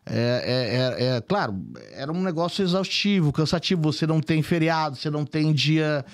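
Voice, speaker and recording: Male guest, 40s, faint southern Brazilian accent with São Paulo touches, somewhat high voice, halting chatty delivery. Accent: mixed Brazilian Portuguese, gaúcho with São Paulo traces. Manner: hesitant, many restarts and tag questions. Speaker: company CEO, podcast guest. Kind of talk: casual interview talk.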